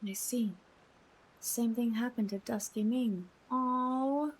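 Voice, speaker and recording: A woman's voice: on the high side, slow, a little hiss or hum, low-quality recording. A woman streaming a game, reacting casually and reading out choices.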